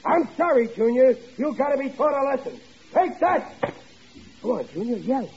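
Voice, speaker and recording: A soft-hearted working-class dad blusters in a high, very animated voice, stammering between mock threats. It is old radio comedy acting, on a dull recording with faint noise and an audience. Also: male voice, brisk, slightly rough. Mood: shouting bluster.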